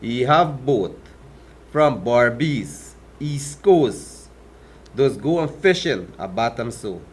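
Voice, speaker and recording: A man's voice: medium pitch, animated, slow pace, slightly rough. A man speaking English with a Guyanese Creole tinge talks as a fisherman on a talk show, plain-spoken and earnest.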